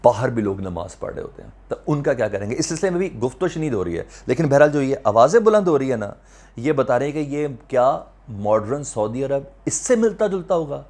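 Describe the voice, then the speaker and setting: A man's voice: medium pitch, sing-song, brisk, a little mellow. A man with a Pakistani accent giving current affairs commentary to viewers, emphatic, repeating phrases and asking rhetorical questions, with English words mixed in. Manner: mixes English words into speech. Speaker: host of a news commentary video channel.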